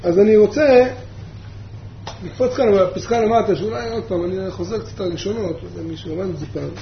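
A rabbi with a fairly high voice teaches a Torah lesson, asking his class questions and circling back to his main points. The room is echoey, the sound is a little dull, and there is a faint hum behind him. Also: gravelly. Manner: asks the class rhetorical questions, repeats key points.

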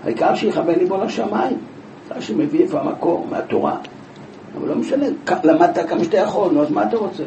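A man teaching a Talmud class, telling the story with lively rhetorical questions. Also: high-pitched, gravelly. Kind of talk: Talmud class, explaining a passage. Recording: echoey room from far off, with background noise.

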